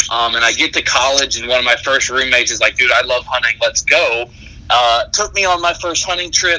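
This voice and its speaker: Speaking at a fairly quick pace, a man is heard over noticeable background noise. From US South, Georgia (born in Iowa). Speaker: duck call maker and hunter. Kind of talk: casual interview.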